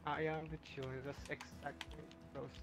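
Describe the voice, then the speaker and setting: A man's voice: a little high, flat delivery, moderate pace, soft background music. A man from Chile chatting casually with his teammates over game voice chat. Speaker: online teammate.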